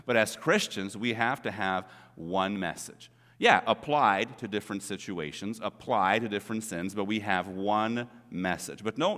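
In the sanctuary, the middle-aged pastor gives his sermon in a lowish, fairly bright voice, earnest yet conversational, stressing ideas by repeating words. The church hall's long reverb trails each line.

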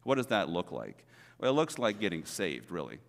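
Low-voiced preacher in a reverberant church. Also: male voice, very animated, normal speed, vocal fry. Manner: earnest, conversational preaching with repeated words for emphasis. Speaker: pastor. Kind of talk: sermon. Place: church sanctuary. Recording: long reverb of a church hall.

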